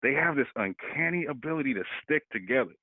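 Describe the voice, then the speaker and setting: Male co-host, middle-pitched, animated talk-show arguer, dry phone-line sound. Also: fast talker, dry recording. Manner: animated, repeats words while building a point. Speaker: podcast co-host. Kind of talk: casual political discussion.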